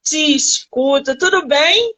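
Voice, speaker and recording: A woman from Rio de Janeiro, Brazil, with a Carioca Brazilian Portuguese accent hosts a casual literary livestream interview with an author over a phone stream. Her voice is high, bright and forceful, animated yet slow, and she is chatty and full of exclamations.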